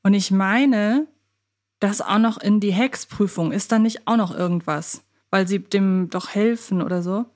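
A woman's voice: medium pitch, measured pace, darkish tone. A woman chatting casually as a contestant in a podcast quiz. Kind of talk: casual chat.

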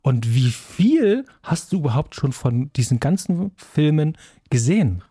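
A man's voice: a little high, very animated, measured pace, dark tone, breathy edge, no room sound, clean studio sound. A man in his forties co-hosting a casual film podcast, chatting with lots of filler sounds. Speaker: podcast co-host.

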